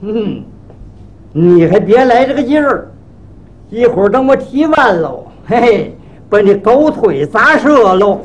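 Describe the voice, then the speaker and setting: A man's voice: high voice, big pitch swings, unhurried, slight background noise. A man doing a grumbling, self-pitying street barber. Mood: threatening. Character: grumbling put-upon male street barber.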